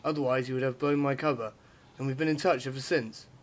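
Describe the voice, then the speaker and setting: A man playing a brisk, pushy ex-cop turned vigilante in an audio drama, explaining things matter-of-factly. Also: medium pitch, fairly even intonation, natural voice. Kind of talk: amateur audio drama acting.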